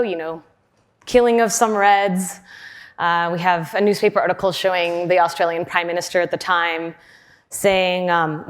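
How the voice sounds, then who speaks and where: A woman in her forties, raised in Western Canada, speaks on a conference stage in a loose, chatty keynote style. Her voice sits fairly low and swings widely in pitch, with fillers and easy laughs. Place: large conference hall.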